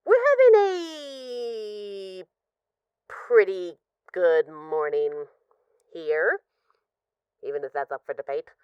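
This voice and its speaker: Woman acting as female mafia boss, affectionate and wry, smooth voice, swooping intonation, hesitant conversational voicemail delivery, audio roleplay, slightly muffled dry recording. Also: medium pitch, no echo. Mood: playful, fond. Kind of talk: scripted audio roleplay as intimate rambling voicemails.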